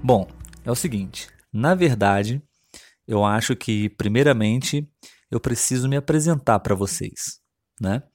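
A man hosts a podcast on his own. He speaks clearly and unhurriedly at a middle pitch, recorded dry and close with faint music underneath. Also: lively intonation, a little mellow, no echo. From Brazil, Rio de Janeiro state. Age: 30s. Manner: clear, friendly, unhurried delivery for language learners. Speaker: podcast host. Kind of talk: scripted solo podcast monologue.

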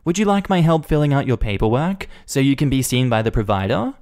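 A man's voice: medium pitch, very animated, fairly quick, voice pushed up. A man voicing a polite, apologetic young woman receptionist at a clinic. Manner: overly apologetic, soft and courteous.

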